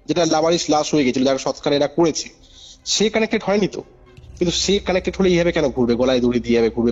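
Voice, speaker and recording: Fast-talking man on a muffled call. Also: on the high side, darkish tone. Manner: emphatic, repeats phrases and checks the listener follows. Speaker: caller recounting a paranormal case. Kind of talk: animated informal spoken storytelling. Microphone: phone call. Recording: muffled phone call recording over music. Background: music.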